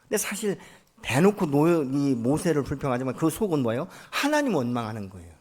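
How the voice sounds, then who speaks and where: A male pastor preaching a sermon, telling stories dramatically, moving from loud emphatic lines down to soft whispers. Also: a little high, very animated, a little fast.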